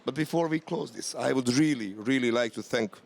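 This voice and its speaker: A man's voice: mid-range voice, a little fast, gravelly, darkish tone. A man in his forties from Bosnia, speaking English with a Bosnian accent as a conference guest, hesitant with frequent fillers. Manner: hesitant, many "uh" fillers and restarts. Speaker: conference guest, software company representative. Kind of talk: casual conference interview. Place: conference venue.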